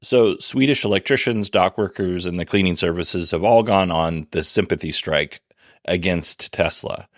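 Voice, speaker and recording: Male podcast host, very low voice, dry close sound, chatty wry news rundown, slightly hoarse. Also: moderate pace, a bit bright, dry recording. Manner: conversational, many fillers, wry asides. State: losing his voice. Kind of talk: casual news commentary.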